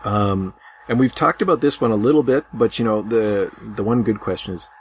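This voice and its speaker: A man with a lowish voice hosts a casual podcast discussion. He feels his way through his thoughts hesitantly, over slightly noisy amateur audio. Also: moderate pace. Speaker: podcast host.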